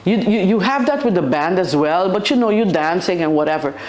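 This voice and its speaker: A woman's voice: fairly low pitch, animated, a little fast, a little mellow. A woman with an Aruban accent, a carnival band leader talking casually in an interview. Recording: roomy, echoing interview sound.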